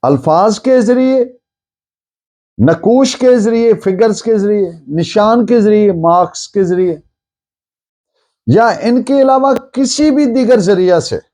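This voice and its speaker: A man with a Pakistani accent giving an explanatory law lecture, deliberately repeating and rephrasing key points. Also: high voice, animated, mellow.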